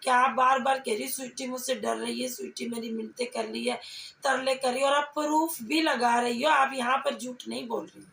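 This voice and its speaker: A woman's voice: fairly high pitch, fairly even intonation, fairly quick, gravelly, a bit bright. A woman giving confrontational reaction commentary, scolding and taunting with pointed rhetorical questions. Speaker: reaction vlogger. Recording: echoey room, faint background noise.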